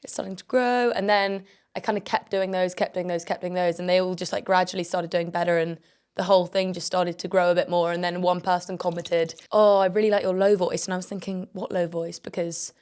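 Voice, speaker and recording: A woman's voice: fairly low pitch, steady tone, fairly quick, darkish tone, clean tone. A young adult woman, a singer guest, chatting casually in an interview, laughing often and filling her talk with "like".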